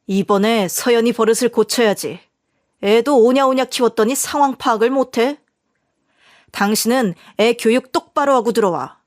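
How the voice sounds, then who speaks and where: A woman's voice: fairly high pitch, moderate pace, dry recording, clean studio sound, close to an everyday voice. A woman voicing a stubborn, blaming husband in a told story, speaking in a curt, scolding manner. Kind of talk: storytelling dialogue.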